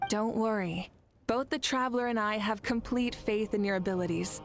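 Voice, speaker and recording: A woman voicing a calm, assured leader. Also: mid-range voice, moderate pace, faint music behind, lightly acted. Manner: calm and reassuring. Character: calm, confident female leader. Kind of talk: game voice acting.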